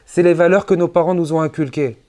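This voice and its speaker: A man's voice: fairly even intonation, fast talker. A man, a rabbi, giving a conference sermon with emphatic rises and drops, mixing Hebrew religious terms into his speech. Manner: emphatic preaching, sudden rises and drops in pitch and loudness.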